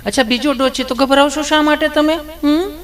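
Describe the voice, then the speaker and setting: A man's voice: very high-pitched, steady tone, brisk, fairly bright tone, voice pushed up. A man voicing a female nurse who keeps coaxing with a questioning "hmm?". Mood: sweetly probing. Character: sweetly persistent female nurse.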